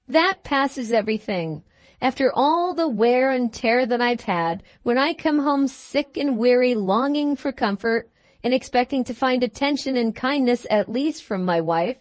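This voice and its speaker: A woman's voice: a little high, animated, unhurried, no room sound. Woman doing a self-pitying young husband, sarcastic, whining, storybook reading, dry sound. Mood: sulky. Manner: sulky, complaining, sarcastic.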